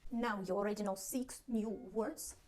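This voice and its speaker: A woman teaching a language lesson, spelling out and repeating words slowly for beginners. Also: medium pitch, fairly even intonation, a little mellow. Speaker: Russian teacher.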